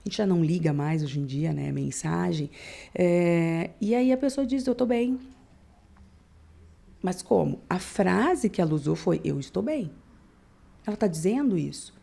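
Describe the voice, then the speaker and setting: Mellow-voiced speech therapist explaining. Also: female voice, lowish voice, moderate pace, creaky. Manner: explanatory, demonstrates intonation with examples. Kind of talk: casual podcast interview.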